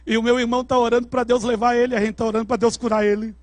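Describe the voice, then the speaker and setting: Brazilian male preacher, very high voice, dramatic testimony with shouted peaks, dry sound. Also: level tone, very fast, dry recording. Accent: Brazilian Portuguese. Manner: dramatic storytelling, shouting at climaxes. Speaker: pastor. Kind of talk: sermon testimony. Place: church service.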